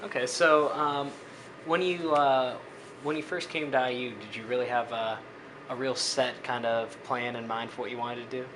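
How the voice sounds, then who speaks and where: A man interviewing a student, asking questions in a relaxed, halting way. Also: mid-range voice. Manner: casual and hesitant, many ums. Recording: steady air-conditioning hum.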